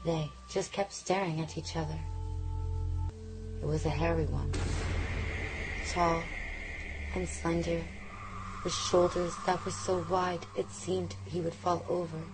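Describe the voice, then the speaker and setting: A woman's voice: lowish voice, little pitch movement, takes it slowly, pauses often. A woman narrating as a young Native woman. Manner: gentle, wondering storytelling. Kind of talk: narration in a hobby radio drama. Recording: loud music under the voice.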